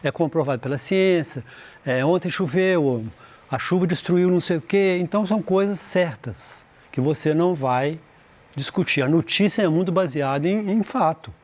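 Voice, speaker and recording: A man with a somewhat high voice teaches an English lesson. He explains in Portuguese, reads English lines aloud slowly and translates them. His speech rambles, with frequent restarts. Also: darkish tone. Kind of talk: recorded school lesson.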